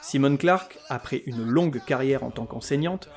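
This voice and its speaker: A man's voice: mid-range voice, moderate pace, crowd noise. A man hosting a podcast who reviews TV series in a scripted comic style, full of sarcasm, crude words and mock outrage. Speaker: podcast host.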